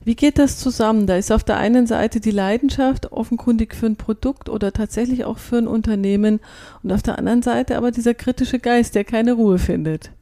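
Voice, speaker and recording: A woman's voice: on the high side, a little fast, warm tone, no echo, clean studio sound. A woman hosting a casual interview, asking questions in a teasing, playful way. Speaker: podcast host.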